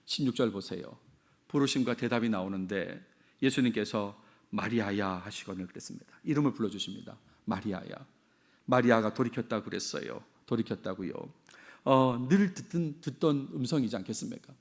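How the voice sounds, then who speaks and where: A man's voice: on the low side, fairly quick. A middle-aged man preaching a sermon as senior pastor, repeating key phrases and putting questions to the congregation.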